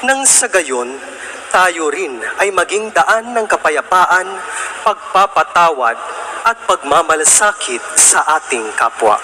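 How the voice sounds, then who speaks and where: A man with a Filipino accent hosting a religious broadcast, reading solemn, measured narration in a reverent manner. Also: a little high, animated, bright, forceful tone, slight background noise, low-quality recording. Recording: background music under the voice. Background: music.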